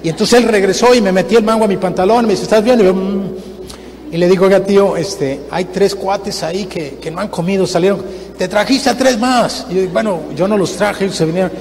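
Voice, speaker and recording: A man, a guest missionary, preaching a sermon and telling a story with lively acted-out voices in a church. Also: high voice, fast talker. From Mexico. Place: church sanctuary. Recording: reverberant church hall, faint noise.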